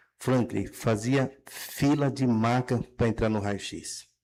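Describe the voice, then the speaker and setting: Recorded very cleanly against a silent background, a man speaks at medium pitch with fairly even intonation. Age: 60s. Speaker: podcast host, retired health worker. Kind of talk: casual chat. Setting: outdoors on the street. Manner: halting.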